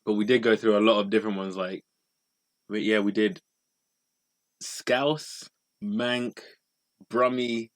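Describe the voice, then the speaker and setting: A man's voice: fairly low pitch, steady tone, takes it slowly, pauses often. A young man who trained as an actor, chatting casually in a laid-back way on a podcast and laughing often. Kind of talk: casual chat.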